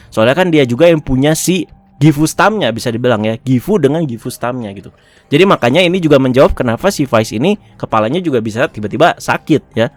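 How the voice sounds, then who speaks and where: A man's voice: mid-range voice, dry recording. A man giving a casual, chatty review of a TV episode, often chuckling and tagging his phrases.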